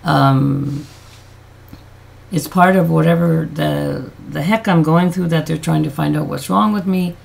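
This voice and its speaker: A woman with a deep, throaty voice chatting in a rambling, self-deprecating way on a casual beauty vlog; her voice has changed and she can't hit high notes. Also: steady tone, measured pace, vocal fry, darkish tone. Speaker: beauty vlogger.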